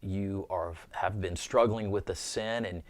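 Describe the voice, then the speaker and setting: A man's voice: low voice, fairly even intonation, measured pace. A man giving an earnest, informal Christian teaching, often repeating words as he thinks aloud.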